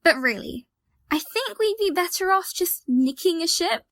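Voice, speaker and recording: A woman's voice: very high-pitched, animated, moderate pace, fairly bright tone, full character voice. A woman playing an exasperated, sceptical young woman in an audio drama, sarcastic and matter-of-fact. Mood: reasoning.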